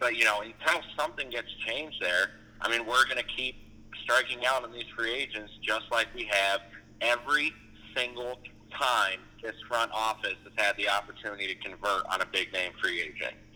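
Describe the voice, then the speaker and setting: A normal speaking voice from a man with a medium pitch, an American accent, ordinary pitch variation and a moderate pace. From Chicago. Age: 20s. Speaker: sports writer. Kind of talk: casual sports talk.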